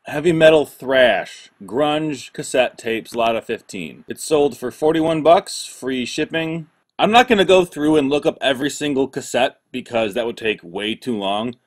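A young American man talking casually as he explains things in an instructional vlog. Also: medium pitch. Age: young adult. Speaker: online reselling vlogger. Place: indoor room stacked with boxes.

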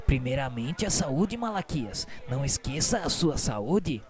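A man playing a patient, kindly healer in a radio novela, speaking in a gentle, measured, soothing way. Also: medium pitch, sing-song. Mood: gentle, reassuring. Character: patient, kindly male spirit-world healer. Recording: music under the voice.

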